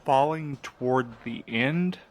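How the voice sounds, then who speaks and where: A man's voice: medium pitch, slow pace, background noise, close to an everyday voice. Man playing a blunt, sceptical coworker. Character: sceptical, grumbling male postal colleague. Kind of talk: audio drama dialogue.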